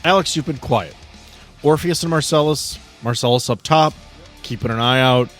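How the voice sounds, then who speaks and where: A man's voice: mid-range voice, normal speed, a bit bright. A man acting as game master, narrating scenes and rulings in a tabletop roleplaying game. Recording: background music under the voice.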